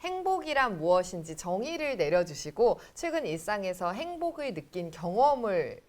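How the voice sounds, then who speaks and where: A woman host with smooth announcer delivery, introducing a service and then asking questions. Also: medium pitch, sing-song, normal speed, a little mellow. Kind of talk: interview, scripted product intro.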